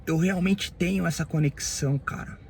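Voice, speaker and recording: A man with a Brazilian Portuguese accent, a therapist, speaking a reflective personal monologue in halting, phrase-by-phrase bursts with frequent tag questions. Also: fairly high pitch, gravelly, a little mellow, a little hiss or hum.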